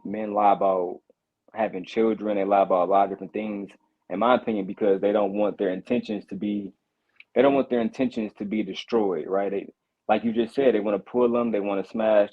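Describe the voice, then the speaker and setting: A man's voice: lowish voice, brisk. Earnest man on a tinny phone line. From Detroit. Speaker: caller. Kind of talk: casual live-audio chat.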